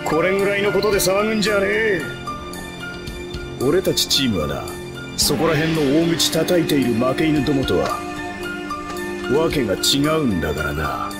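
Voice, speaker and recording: A man playing a ruthless, proud gangster assassin in an anime video game, husky, with theatrical, menacing, rough tough-guy speech. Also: a little high, sing-song, moderate pace, pauses often, over loud music. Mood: stern, controlled.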